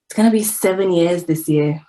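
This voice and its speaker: Low-voiced young woman with a Saint Lucian accent. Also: brisk, warm tone. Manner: frank, reflective, says "like" often. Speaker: guest analytics specialist. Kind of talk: casual interview answers.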